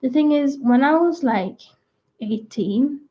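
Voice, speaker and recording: A woman's voice: high-pitched, lively intonation, slow pace, dark tone. Rambling young woman, dull lo-fi audio. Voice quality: croaky at times. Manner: meandering, full of "like" and restarts. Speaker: vlogger. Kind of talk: rambling casual chat to camera. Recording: dull lo-fi sound.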